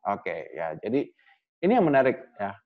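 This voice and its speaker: A man's voice: fairly low pitch, sing-song, normal speed, phone-quality sound. A man who is a communication coach answers audience questions in a class, explaining at length, often checking in with "ya" and "nah" and pushing his voice up on key words. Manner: emphatic rises on key words.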